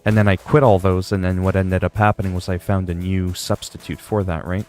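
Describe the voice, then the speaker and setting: A man in his forties talks casually through a livestream with a lowish voice, rambling from one thought to the next. He reads viewers' messages aloud and answers them as they come in, with faint music playing behind him. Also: level tone, brisk, a little mellow. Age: 40s.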